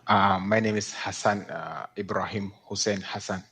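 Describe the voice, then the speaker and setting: Low husky man on video link. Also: steady tone, normal speed, fairly bright tone. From Sudan, Darfur. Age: 20s. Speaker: witness. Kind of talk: testimony. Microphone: video call.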